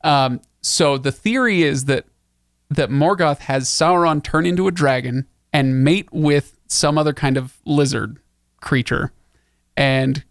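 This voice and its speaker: Dude hosting a book podcast, gravelly fry in his voice, chatty, dry close mic. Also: a little high, a little slow, no echo. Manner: chatty, laughing, animated. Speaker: podcast host. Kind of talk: casual book discussion.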